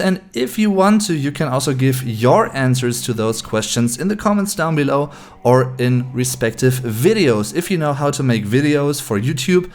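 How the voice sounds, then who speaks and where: A man in his late twenties from Germany, a native German speaker with a German accent, chatting casually to camera as a YouTube host and mixing German words into his English. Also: mid-range voice. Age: late 20s.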